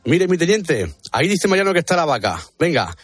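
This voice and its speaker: Man playing a high-pitched, blustering Spanish army officer. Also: sing-song, brisk, slightly rough, dry recording, studio quality, faint music behind. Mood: threatening. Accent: Spanish from Spain. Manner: blustering, threatening. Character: bullying, impatient army officer in comic sketch. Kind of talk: comic radio sketch acting.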